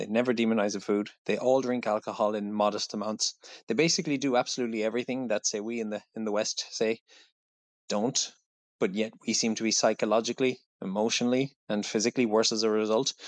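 A man with an Irish accent talks very fast at a medium pitch, his intonation fairly even, in a dry, close recording with no echo and a quiet background. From Ireland. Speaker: health and fitness coach. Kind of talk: casual chat.

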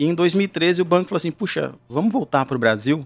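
A plain, everyday voice, a man's, runs at a fairly quick pace with ordinary pitch variation, the sound dry and close with no echo. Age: 40s. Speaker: technology executive. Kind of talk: casual interview.

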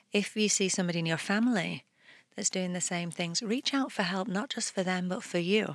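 An ordinary speaking voice from a woman at a moderate pace, with ordinary pitch variation, in a very clean recording with a silent background. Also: dry, close sound with no echo. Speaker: nonprofit CEO. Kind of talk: casual interview chat.

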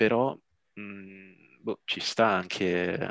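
The sound is dry and close, with no echo. A man speaks with fairly even intonation. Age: 20s. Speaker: parkour athlete. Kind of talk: casual chat.

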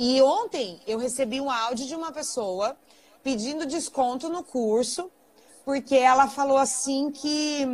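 The pace is fairly slow. A woman talks with a high pitch. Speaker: voice-over coach and podcast host. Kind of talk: interview.

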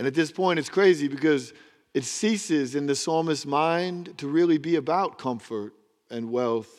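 A man with a fairly high pitch and an ordinary speaking voice talks at a moderate pace. His pitch variation is ordinary, and the recording is very clean with a silent background. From Chicago, US Midwest. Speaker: pastor. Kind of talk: sermon.

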